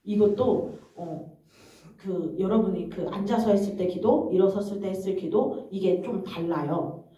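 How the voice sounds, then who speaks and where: A woman evangelist reading a teaching aloud and then explaining it to her congregation in a calm, instructive way. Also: medium pitch, measured pace. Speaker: evangelist leading prayer. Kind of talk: reading aloud and explaining in a church prayer session. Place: church hall. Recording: distant mic in an echoey, dull-sounding church hall.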